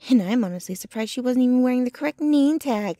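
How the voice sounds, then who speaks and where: A woman's voice: high voice, lively intonation, fast, mellow, no room sound, clean studio sound. A woman playing a jealous, possessive, doting young girlfriend in an intimate, dramatic ASMR roleplay. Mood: jealous, indignant. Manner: intimate, dramatic, swinging between ranting and breathy murmuring.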